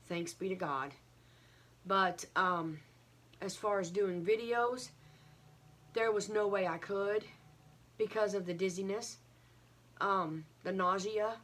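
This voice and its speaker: A woman giving a casual, earnest update to viewers, halting and a little short of breath as she recovers from illness. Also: on the low side, fairly bright tone. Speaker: craft vlogger.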